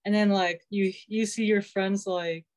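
A woman's voice: mid-range voice, steady tone, measured pace, a little mellow, rough recording. A woman in her twenties in casual, laid-back, wry conversation. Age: 20s. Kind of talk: casual chat on a video call.

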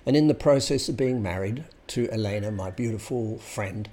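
A man's voice: on the low side, normal speed, dark tone. A man telling a long personal story in a rambling, hesitant, anecdotal way. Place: Sydney home base.

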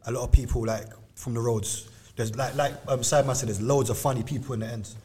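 A man's voice: mid-range voice, steady tone, quick pace, mellow. A man with a London roadman accent, chatting casually in street slang in a group discussion.

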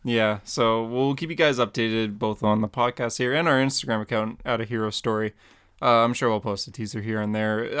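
A man's voice: on the low side, a bit bright, clean tone. A man co-hosting a podcast about comics, chatting casually and rambling, with frequent laughs mid-sentence. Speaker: podcast co-host and comic artist. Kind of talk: casual chat.

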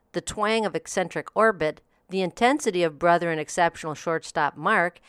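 A woman hosting a daily audiobook review podcast, reading from a script. Her voice is smooth and resonant and sits slightly low. The booth is close and dry, with no echo. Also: a bit bright.

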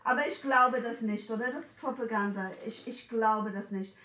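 A woman in her forties from England with an English accent, chatting in German as a second language in an animated way and mixing in English words. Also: on the high side, moderate pace, distant mic. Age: 40s. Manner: animated, mixes in English words, acts out quoted voices. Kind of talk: casual chat. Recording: echoey room, a bit off mic.

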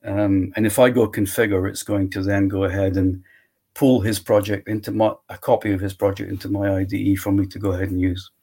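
A man walking through his software tool in a live screen-share demo, thinking aloud step by step. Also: fairly low pitch, level tone, fairly quick, breathy edge. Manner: walks through steps aloud, thinking as he goes.

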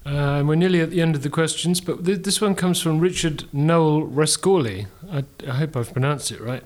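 Slightly high-voiced male podcast host. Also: fairly quick. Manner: hesitant, with fillers and restarts. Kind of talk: reading listener questions.

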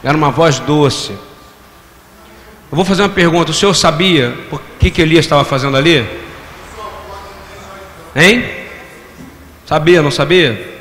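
Male preacher, high voice, interactive call-and-response sermon, long hall reverb. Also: unhurried, long pauses, a bit bright. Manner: interactive, has the congregation repeat phrases; rhetorical questions to the audience. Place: church hall. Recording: echoey hall with long reverb, faint room noise.

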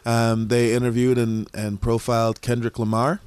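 Middle-aged male guest, born in Jamaica; easygoing interview delivery with halting fillers; mid-pitched voice, dry close recording. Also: clear, resonant tone, no room sound. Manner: relaxed, with frequent "um" pauses. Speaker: museum founder, guest. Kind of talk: casual conversation.

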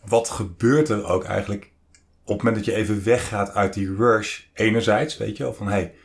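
A man co-hosting a casual podcast, speaking haltingly and repeating words as he gathers his thoughts. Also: fairly low pitch, steady tone, vocal fry. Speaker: podcast co-host.

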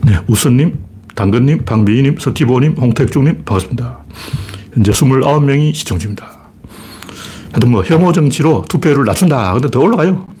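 Blunt, animated man hosting a livestream. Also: medium pitch, quick pace. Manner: blunt, rambling, mimics people in raised voices. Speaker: live stream host. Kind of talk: casual political commentary livestream.

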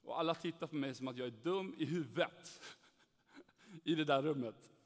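A young man giving an earnest personal faith testimony, telling his story animatedly and acting out the dialogue. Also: a little high. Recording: echoey hall reverb.

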